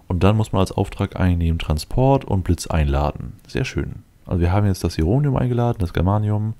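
A man with a very low, dark and relaxed voice hosts a let's play. He talks through the game off the cuff, matter-of-fact, as if mostly speaking to himself. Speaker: let's play video host. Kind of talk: casual improvised game commentary, thinking aloud.

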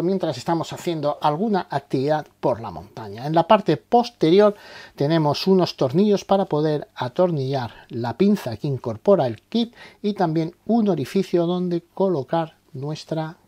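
Higher-pitched Spanish man with a mellow voice. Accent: Spain. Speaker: product reviewer and tutorial presenter. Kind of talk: explanatory product tutorial narration.

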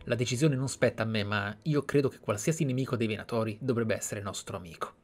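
A man's voice: fairly low pitch, fast talker, close to an everyday voice. A man voicing a concerned, shrewd advisor from a fantasy game, earnest and formal.

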